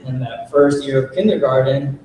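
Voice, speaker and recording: A chatty man of Cuban heritage tells his own story with quick, joking asides. His voice sits at an everyday pitch and sounds far from the mic, in a very echoey hall. Light room noise runs underneath. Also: dark tone. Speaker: panel speaker, parent. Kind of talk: personal story at a symposium.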